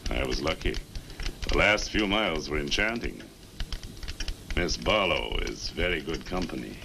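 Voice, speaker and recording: An actor playing a sinister, courtly male guest in a 1960s horror film, speaking in a formal, deliberate way. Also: rumbling low, expressive, gravelly, heavily acted. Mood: sinister, expectant. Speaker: hotel guest. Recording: noisy old film soundtrack.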